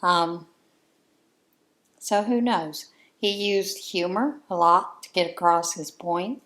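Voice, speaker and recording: A woman's voice: fairly low pitch, takes it slowly, a bit bright. A woman hosting a crafting channel, sharing her views in a casual chat from home in an earnest, heartfelt way.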